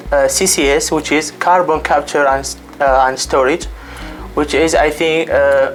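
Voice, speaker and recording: Young Arab-man, halting student. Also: medium pitch, low-quality recording. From Iraq. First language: Arabic. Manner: halting, frequent fillers. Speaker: PhD student. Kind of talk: interview, self-introduction. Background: faint music.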